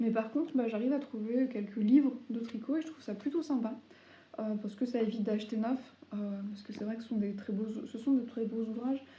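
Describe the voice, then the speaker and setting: Mumbling at a fairly quick pace, a woman speaks in a dark, mellow tone with fairly even intonation. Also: fairly high pitch for a woman. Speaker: knitting podcaster. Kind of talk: casual chat. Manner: fast, mumbles words; speaking up, careful diction.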